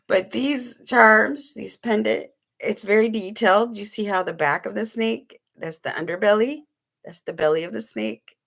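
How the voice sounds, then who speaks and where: A woman's voice: mid-range voice, measured pace, vocal fry, slightly rough. A woman who makes jewelry chats casually on a live stream, rambling with many ums as she shows her pieces to the camera.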